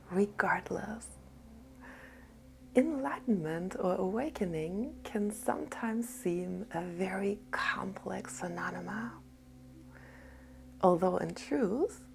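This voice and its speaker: A woman giving a gentle spiritual talk in a soft, half-whispered, calm voice. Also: medium pitch, creaky, a little hiss or hum. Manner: calm and unhurried. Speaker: spiritual teacher.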